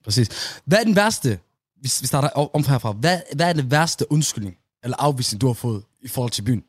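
Animated young man, lively pitch. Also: no echo, studio quality. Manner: animated, laughing, storytelling. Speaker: podcast co-host. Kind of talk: casual chat.

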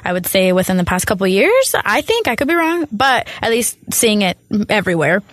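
A woman's voice: mid-range voice, big pitch swings, fairly quick, fairly bright tone, dry recording, clean studio sound. A woman in her twenties co-hosting a podcast, chatting casually in a self-mocking way and laughing often. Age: 20s. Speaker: podcast co-host. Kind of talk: casual chat.

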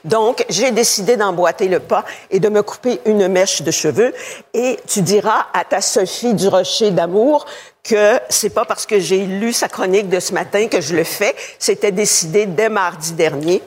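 A woman's voice: medium pitch, moderate pace, husky, in a large hall. A woman giving earnest commentary as a radio panelist. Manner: earnest, stumbles over names.

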